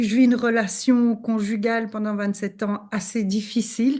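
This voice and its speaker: A woman's somewhat breathy, fairly high voice with a dark, mellow tone moves at a fairly slow pace with fairly even intonation over a quiet background. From Belgium. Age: 60s. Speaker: psychologist. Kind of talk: testimonial interview answer.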